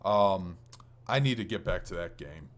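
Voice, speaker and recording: A man's voice: low-pitched, animated, measured pace. Man chatting enthusiastically about games. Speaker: podcast co-host. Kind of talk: casual chat about video games.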